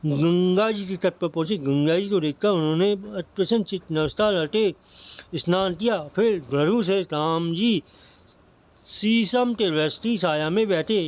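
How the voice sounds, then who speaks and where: High-voiced man reading scripture aloud. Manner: steady recitation with frequent slips and restarts. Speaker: scripture reader. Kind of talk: devotional scripture narration.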